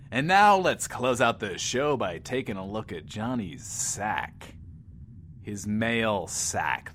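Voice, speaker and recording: An actor playing a sleazy, wisecracking post-apocalyptic radio host in an audio drama, smug and flippant, speaking of himself in third person. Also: male voice, on the low side, a bit bright, a little hiss or hum, full character voice. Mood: smug, teasing. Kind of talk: in-world radio show patter, audio drama.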